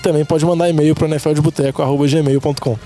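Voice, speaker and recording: A man's voice: fairly high pitch, steady tone, fast, dark tone, soft background music. A man with a Brazilian accent co-hosting a sports podcast, joking and blunt. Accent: Brazilian Portuguese. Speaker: podcast co-host. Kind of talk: casual sports podcast chat.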